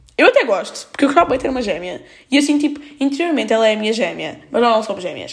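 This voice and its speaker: A woman speaks at a very fast pace with a high pitch. Her intonation is lively. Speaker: podcast host. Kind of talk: casual monologue. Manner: animated.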